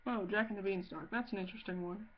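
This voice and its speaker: An amateur video blogger delivers a casual, comedic monologue in a blunt, sweary, sarcastic style, speaking quickly in a medium-pitched voice. The audio is muffled, with clear background noise.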